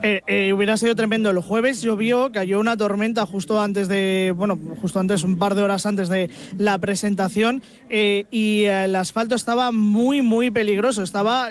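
A man with a strikingly high voice reports on cycling live for radio. He builds his sentences a little hesitantly as he gives race updates.

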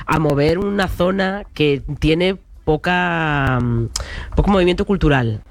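A woman's voice: low-pitched, a little slow, dry recording. A woman from León, Spain, a podcast guest who talks hesitantly and good-humouredly. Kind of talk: casual discussion.

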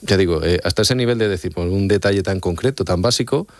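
This low-pitched man from Extremadura, Spain, talks fast while answering questions like a radio interviewee. An author, he explains his research earnestly and keeps checking in with his listener. There is no room sound.

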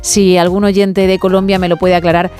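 A woman hosting a late-night call-in radio show, chatty and quick to laugh. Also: fairly low pitch, flat delivery, darkish tone, faint music behind. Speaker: radio host.

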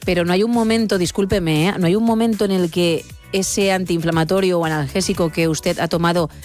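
A woman's voice: lowish voice, steady tone, fairly quick, a little mellow, soft background music. A woman hosting a late-night radio show, teasing her co-hosts in casual banter. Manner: teasing, joking.

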